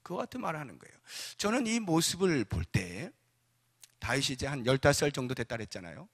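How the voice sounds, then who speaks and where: A male pastor preaching a sermon in a church sanctuary. He is animated, swinging from soft asides to fervent exclamations as he acts out scripture characters. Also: medium pitch, quick pace, slightly rough, long reverb tail.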